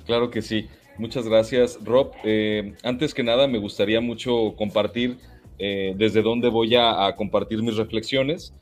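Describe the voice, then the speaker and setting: A man from Mexico whose first language is Mexican Sign Language, giving earnest, measured interview answers with frequent hesitations. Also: lowish voice, fairly even intonation, faint music behind. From Jalisco, Mexico.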